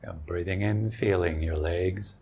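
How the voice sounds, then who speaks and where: A man leading a guided meditation as a teacher, speaking in a gentle, soothing, unhurried way with long pauses. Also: sits low, fairly even intonation, vocal fry, husky.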